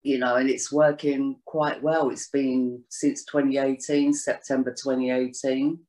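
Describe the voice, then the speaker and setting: A woman's voice: rumbling low, flat delivery, measured pace, dark tone. Woman, interview guest, casual talk, rambling, frequent restarts. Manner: rambling, many "you know"s and restarts. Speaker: astrologer guest.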